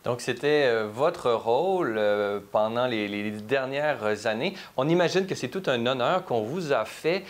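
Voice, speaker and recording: A man hosting a television interview, asking questions and signing off in a measured, formal way. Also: medium pitch. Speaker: TV host. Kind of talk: TV interview and sign-off.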